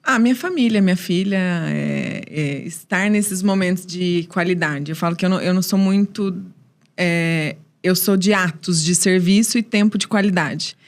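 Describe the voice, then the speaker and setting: Calm Brazilian woman lawyer explaining. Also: on the low side, moderate pace. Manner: calm, explanatory, brief answers. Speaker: family lawyer and professor, guest. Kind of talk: interview answers, explaining law.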